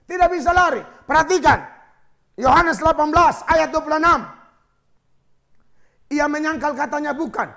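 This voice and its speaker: A man's voice: extremely high pitch, moderate pace, creaky, long pauses. A male pastor from eastern Indonesia preaching a sermon, telling stories with humor and acting out the dialogue. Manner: animated storytelling preacher, acts out dialogue with humor.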